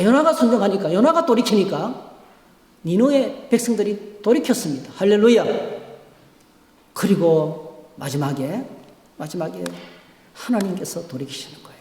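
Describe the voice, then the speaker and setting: A man preaching a sermon as pastor, emphatic, swinging between loud peaks and quiet stretches. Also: high voice. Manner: emphatic preaching with sweeping rises and drops in volume. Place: church sanctuary. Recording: echoey church hall.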